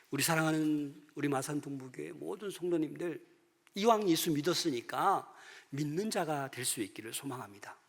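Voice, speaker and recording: Male pastor, sermon, lively pitch, fairly high voice, emphatic, long church echo. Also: gravelly. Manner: emphatic preaching with swings between loud and hushed lines. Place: church sanctuary.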